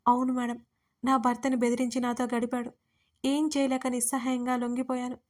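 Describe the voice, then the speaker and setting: A woman voicing a frightened, tearful young servant woman who pleads in a hushed, urgent way in an audio story. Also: fairly high pitch, completely flat delivery, brisk, lightly acted. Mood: pleading.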